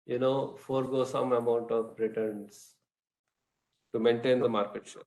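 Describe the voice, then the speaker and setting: A man with an Indian accent answering questions as a company executive on an earnings call, in a halting, measured way. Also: medium pitch, fairly even intonation, a little mellow. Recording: echoey room sound.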